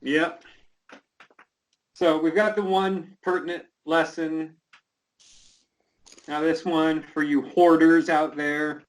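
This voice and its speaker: A mid-pitched co-host chats casually over a text adventure game. The commentary is wry and amused, with plenty of "um" and "like" fillers. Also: little pitch movement, slow, pauses often, rough recording. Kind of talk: casual let's-play banter.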